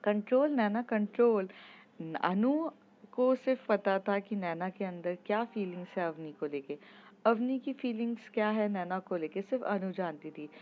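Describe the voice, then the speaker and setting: A woman narrating a love story casually in a podcast, with an informal, halting delivery full of filler sounds. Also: mid-range voice, animated, dull audio.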